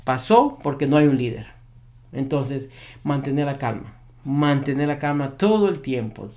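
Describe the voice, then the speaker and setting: A man's voice: medium pitch, animated, moderate pace, a little mellow. A man who trains dogs giving an advice monologue to camera, repeating his key points with emphasis. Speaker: dog behavior trainer.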